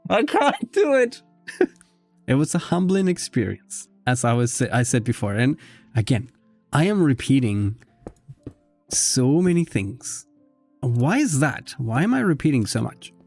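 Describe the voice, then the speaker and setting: A man whose first language is Spanish, speaking English in an unscripted casual gaming vlog with a self-conscious, halting manner. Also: mid-range voice, darkish tone. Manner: self-conscious, halting, often giggling at own slips. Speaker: video creator. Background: background music.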